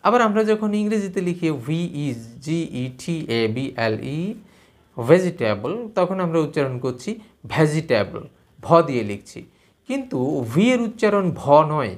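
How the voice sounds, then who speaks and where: A man with a slightly high voice talks through a language lesson. He explains patiently, repeats each sound and sets pairs side by side so the difference comes through. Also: sing-song, measured pace. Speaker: language teacher. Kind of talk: spoken lesson on Bengali spelling and pronunciation.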